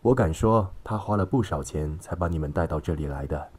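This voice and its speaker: A man's voice: deep voice, expressive, brisk, a little mellow, husky. A man voicing a belligerent, contemptuous middle-aged father in an audiobook story, scolding and sneering.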